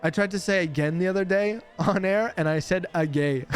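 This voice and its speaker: A man's voice: high-pitched, brisk, soft background music. A young man, a radio host streaming casually while opening cards, teasing his chat and laughing often.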